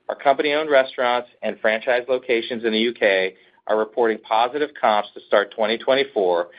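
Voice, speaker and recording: A man with a fairly low voice reads prepared executive remarks in a measured, formal manner. The sound is somewhat dull, as on a conference-call line. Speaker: company executive. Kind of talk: scripted earnings call remarks. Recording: muffled conference call audio.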